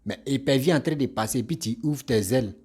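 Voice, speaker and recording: A man's voice: medium pitch, fairly quick, darkish tone, husky. A man commenting on a clip, talking directly to his audience and leaning on proverbs. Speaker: online commentator. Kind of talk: commentary addressed to viewers.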